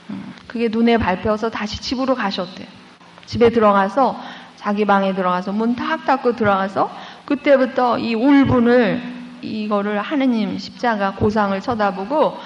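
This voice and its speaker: Nun lady telling a church story, acts out voices, muffled sound, long hall echo. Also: fairly high pitch. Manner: lively storyteller who acts out quoted voices. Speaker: Catholic nun giving a lecture. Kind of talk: sermon-style storytelling lecture.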